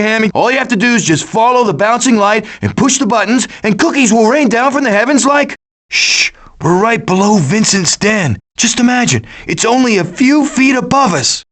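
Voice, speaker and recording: Cartoon game raccoon: high, swooping voice, glib scheming wisecracker. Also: male voice, fairly bright tone. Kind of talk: animated video game voice acting.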